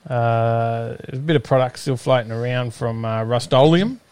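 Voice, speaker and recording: Australian man, mid-pitched, casual rambling host, hesitant pauses, dry close recording. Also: darkish tone, clean tone, no echo. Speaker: host of a live-streamed show. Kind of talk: casual, unscripted chat.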